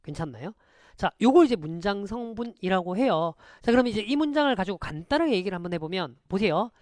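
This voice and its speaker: A man teaching an online lecture, quizzing students with quick rhetorical questions and switching between polite and casual speech. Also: high voice, animated, darkish tone, no echo. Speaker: English teacher.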